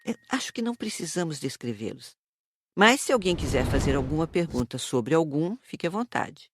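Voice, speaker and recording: A woman playing a calm, serious spirit teacher in an audiobook, speaking in a measured, didactic way. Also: sits low, noisy background. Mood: patient. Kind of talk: audiobook dialogue.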